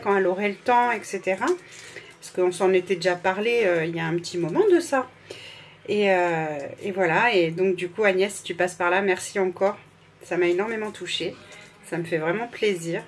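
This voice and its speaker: With slight background noise behind her, a woman vlogger speaks in a mid-range voice. She gushes casually and keeps fumbling over the names she reads out, restarting and saying sorry.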